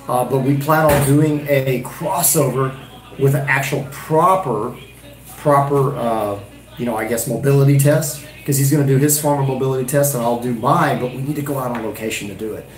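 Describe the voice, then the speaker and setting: A man's voice: medium pitch, fairly even intonation, normal speed, roomy sound. A man in his forties casually chatting on a live stream, thinking aloud and often restarting his sentences, recorded at table distance in a small wood-paneled room. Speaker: beer reviewer and channel host.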